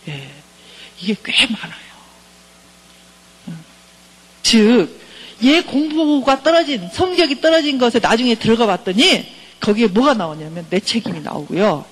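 Husky, lively woman lecturing. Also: a little high, measured pace, pauses often, rough recording. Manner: engaging, keeps asking the audience questions. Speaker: professor. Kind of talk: counseling lecture.

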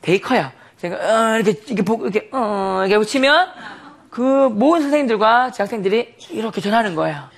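A man's voice: high-pitched, animated, fast talker, creaky. A man giving a sermon testimony, telling a story animatedly with frequent laughter and rhetorical questions.

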